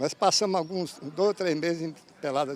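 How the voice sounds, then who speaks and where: A man's voice with ordinary pitch variation and a moderate pace. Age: 80s+. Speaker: founder of a neighbourhood football game. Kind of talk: interview.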